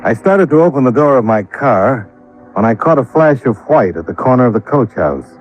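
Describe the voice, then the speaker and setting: An actor playing a cool, shrewd, laconic insurance investigator in 1950s radio detective style. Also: male voice, mid-range voice, very animated, normal speed, faint music behind, lightly acted. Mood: narrating, tense. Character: cool, wry, shrewd male insurance investigator narrating his case. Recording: dull lo-fi old radio recording.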